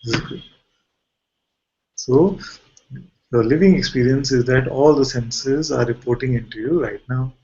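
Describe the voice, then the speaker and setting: A man leading an informal guided spiritual dialogue as a teacher, asking probing questions and pausing mid-sentence. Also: mid-range voice, warm tone, lo-fi sound.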